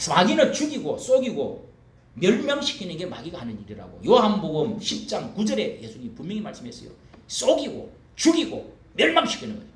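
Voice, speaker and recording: A man preaching a sermon as a pastor, emphatic, swinging between loud bursts and low asides, in a church sanctuary. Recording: echoey hall, faint ambience.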